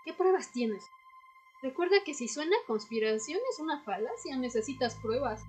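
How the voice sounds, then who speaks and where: Casting: actress as mysterious, guarded woman, fairly high voice, terse radio-drama delivery over soft music. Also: animated, moderate pace. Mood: skeptical. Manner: terse, cryptic instructions. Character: guarded, mysterious woman who knows history's secrets. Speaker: supporting actor. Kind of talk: audio drama dialogue. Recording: music bed under the voice.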